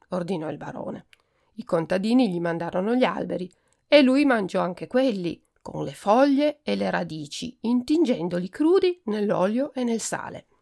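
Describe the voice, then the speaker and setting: Woman, podcast host, storybook reading, expressive, gravelly voice, mid pitch.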